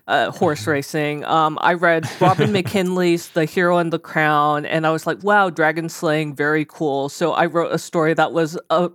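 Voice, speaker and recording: A woman's voice: low-pitched, no echo, studio quality. A woman author whose first language is Korean, chatting casually as an interview guest, self-deprecating and full of fillers. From South Korea.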